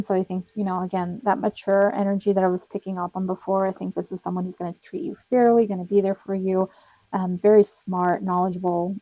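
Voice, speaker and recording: A young woman giving a casual tarot card reading, chatty and rambling with little laughs, her voice hoarse and cracking. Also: medium pitch, mellow, no echo, poor audio. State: losing her voice, slightly cracking.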